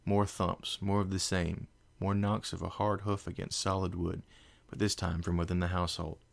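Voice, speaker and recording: A man reading a fan fiction story aloud as narrator, in a steady, measured storytelling voice. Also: sits low, vocal fry.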